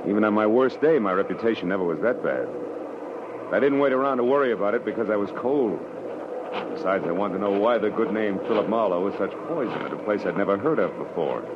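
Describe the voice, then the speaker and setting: Male actor as 1940s radio gumshoe: American, low-pitched, terse, world-weary; dull, heavily noisy vintage recording. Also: animated, quick pace, natural voice. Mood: grim narrating. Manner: terse, dramatic storytelling. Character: hard-boiled male private detective, wry and world-weary. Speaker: actor narrating as lead character. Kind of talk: 1940s radio detective drama acting and first-person narration. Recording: noisy, muffled old-time radio recording.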